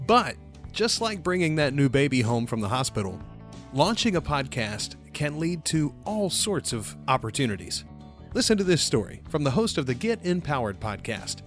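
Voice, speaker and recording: A man narrating a podcast segment in a light, wry, conversational way. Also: mid-range voice. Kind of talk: scripted narration.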